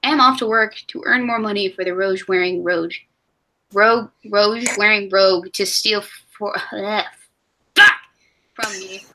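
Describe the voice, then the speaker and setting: A woman's voice: medium pitch, fairly even intonation, measured pace, sharp tone, rough recording. A woman in her twenties hosting a casual live stream, rambling and laughing at herself. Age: 20s. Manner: giggly, rambling, self-mocking. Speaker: stream host.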